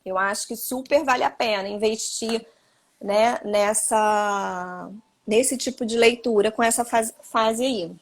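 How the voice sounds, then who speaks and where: Woman, Brazilian accent, high-pitched, explanatory, tag questions, live-stream advice. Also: slow pace. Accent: Brazilian Portuguese. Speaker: psychologist. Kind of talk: live-stream talk giving parenting advice. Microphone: phone or video call.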